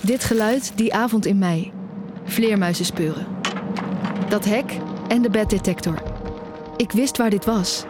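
A woman's voice: medium pitch, a little slow, pauses often, close to an everyday voice. Woman acting anxious young female student, stubborn, intimate audio drama narration, music behind. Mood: brooding, uneasy. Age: young adult.

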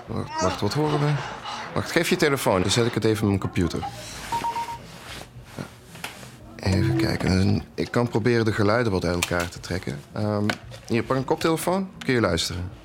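An actor playing a laid-back but excitable young gamer housemate in an audio drama, talking in slangy, informal bursts. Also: male voice, fairly low pitch, brisk, creaky, background noise. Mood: curious, focused. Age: young adult. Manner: slangy, informal, mixes in English gamer talk. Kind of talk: naturalistic audio drama dialogue. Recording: music behind the voice. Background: music.

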